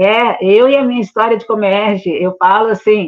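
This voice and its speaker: A woman speaks in a plain, everyday voice at a fairly high pitch. Her pitch moves in an ordinary way. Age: 60s. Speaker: spiritist volunteer. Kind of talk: interview.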